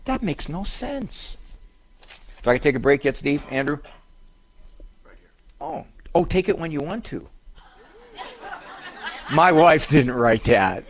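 An older radio talk show host and psychologist jokes about himself in an animated way while hosting a live talk show on a cruise ship, sharing funny self-deprecating stories. He speaks slowly in a voice on the high side, pausing often.

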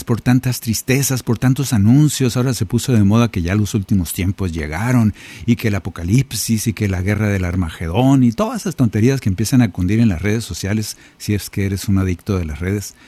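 A man's voice: on the low side, warm tone, slightly rough, no room sound. A man hosting a Catholic prayer and reflection show, preaching in a colloquial way and repeating his phrases. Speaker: Catholic singer-songwriter host. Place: home recording studio.

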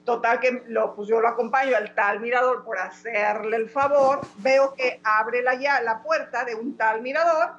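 A woman with a Mexican accent telling her personal story as a guest, earnest and dramatic, slowing down for the key moments. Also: a little high, fairly bright tone, lo-fi sound. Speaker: guest giving testimony. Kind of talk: emotional personal testimony.

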